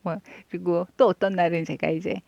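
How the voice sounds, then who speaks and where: A woman hosting a knitting channel, chatting casually and rambling through stories in a soft, low-key voice as she knits. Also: level tone, a little fast, gravelly, dry recording, muffled recording. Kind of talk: casual chat while knitting.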